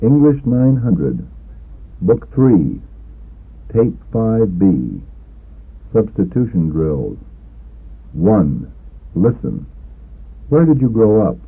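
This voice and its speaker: A man leading scripted substitution drills as a language course narrator, in a deliberate, instructional manner. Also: fairly low pitch, sing-song, gravelly, breathy edge. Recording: narrow, phone-like old lesson tape.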